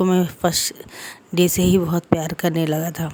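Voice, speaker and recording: A woman's dark, mellow voice sits fairly low in pitch and runs in a monotone, flat intonation. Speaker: fan fiction narrator. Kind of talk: storytelling narration. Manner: casual, conversational.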